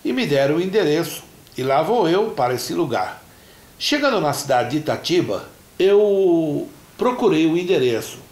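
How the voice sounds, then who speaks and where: A man's voice: a little high, normal speed. A middle-aged Brazilian man with a Brazilian Portuguese accent, a pastor telling a story in a sermon and acting out the dialogue. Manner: animated storyteller who acts out dialogue. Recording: roomy church echo.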